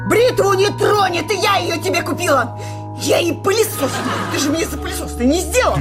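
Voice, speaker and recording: An actress playing a jealous, sarcastic working-class wife who nags bluntly in a radio comedy play. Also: female voice, very high-pitched, moderate pace, music in the background. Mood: scornful, aggrieved. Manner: nagging, sarcastic, colloquial and blunt.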